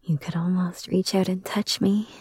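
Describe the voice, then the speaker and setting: A woman whispering softly and soothingly in an ASMR roleplay, close to the microphone. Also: on the low side, steady tone, moderate pace, husky, no echo.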